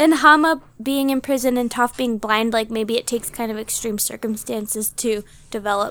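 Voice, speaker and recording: Here a woman speaks at a fairly high pitch. Her pace is moderate and her intonation fairly even. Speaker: podcast co-host. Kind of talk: casual chat.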